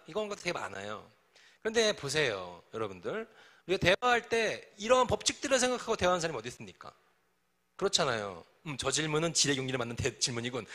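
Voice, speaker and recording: Lively bright-voiced Korean pastor. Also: male voice, sits high. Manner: conversational, teasing, acts out quoted dialogue. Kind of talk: sermon to young adults.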